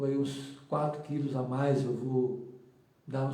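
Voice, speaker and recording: A man talks at a fairly slow pace in a fairly high pitch, his intonation monotone and flat. Audible room echo surrounds the voice. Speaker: pastor. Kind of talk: sermon closing remarks to online congregation. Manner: sometimes speaks softly.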